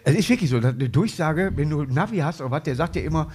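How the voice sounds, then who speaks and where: A middle-aged man hosts a relaxed podcast conversation, wandering from one anecdote to the next and twisting words for laughs. His voice sits a little high and swings widely in pitch. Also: fast talker, breathy edge. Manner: rambling, jumbled anecdotes and wordplay. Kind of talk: casual podcast chat.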